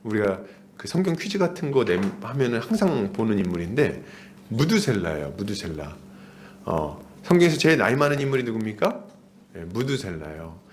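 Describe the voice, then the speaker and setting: A man's voice: on the low side, big pitch swings, a little fast, a little hiss or hum. A man of about forty preaching an expository sermon as a pastor, using emphatic repetition and rhetorical questions.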